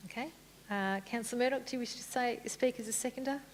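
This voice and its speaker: Brisk woman chairing a council meeting. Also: a little high, slight background noise. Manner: brisk, procedural, lightly good-humoured. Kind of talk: formal meeting procedure. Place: council chamber.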